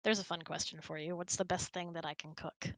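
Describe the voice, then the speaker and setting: A woman's voice: on the low side, steady tone, brisk, no echo, studio quality. A woman host chatting casually and candidly in an informal, emphatic way. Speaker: host of a relationship Q&A hangout. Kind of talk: casual chat.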